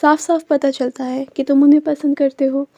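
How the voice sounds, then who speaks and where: A woman's voice: high voice, little pitch movement, normal speed, mellow, no echo. A woman voicing a bossy, caring young woman who teases and gives orders, read in a storytelling voice. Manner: teasing and commanding.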